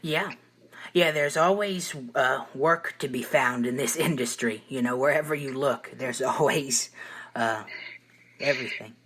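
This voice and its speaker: A man's voice: mid-range voice, unhurried, fairly bright tone. A nineteen-year-old man hosting an interview, easygoing and agreeable. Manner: easygoing, agreeable, many fillers and short acknowledgments. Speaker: interviewer, host. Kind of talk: casual interview.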